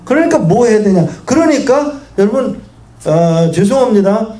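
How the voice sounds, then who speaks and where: A man's voice: high-pitched, moderate pace. A male guest pastor preaching a sermon to a congregation, telling stories and asking the audience questions. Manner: animated storytelling preacher who asks the audience questions. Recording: echoey hall with faint noise.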